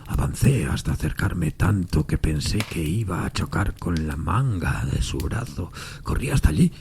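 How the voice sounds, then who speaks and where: A haunted railway signalman in a radio play, with an extremely low, mellow voice. He is grave, earnest and full of dread. There is clear noise behind him. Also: animated, moderate pace. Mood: haunted, urgent. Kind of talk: dramatised audio fiction.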